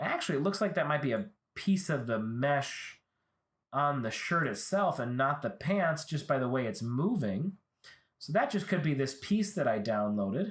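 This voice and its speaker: A man's fairly high, somewhat breathy voice, enthusiastic in tone, with very wide pitch swings. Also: moderate pace. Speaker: livestream host demoing 3D clothing software. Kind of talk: live software tutorial. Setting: livestream with live chat. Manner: casual, enthusiastic.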